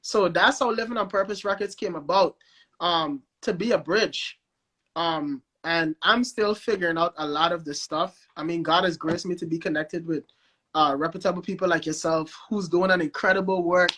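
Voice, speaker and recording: A man with a Guyanese accent speaks with a high, bright voice. He talks in an animated way, doubling back on words as he builds up to each point, in a relaxed interview chat. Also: normal speed. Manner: animated, repeats himself, enthusiastic. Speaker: guest, record label founder. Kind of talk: casual interview over a live stream.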